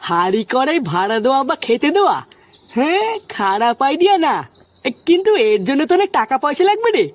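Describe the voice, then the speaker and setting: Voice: sits high, sing-song, a little fast. A performer voicing an easygoing, practical young village man in a comic cartoon, colloquial and doubtful. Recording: background noise with chirping birds.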